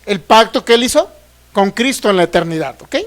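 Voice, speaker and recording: A man from Mexico preaching a sermon, reading scripture aloud slowly and often checking that the congregation understands. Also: sits high, animated, fairly bright tone. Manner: asks the congregation frequent check questions. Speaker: pastor. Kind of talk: sermon, Bible teaching.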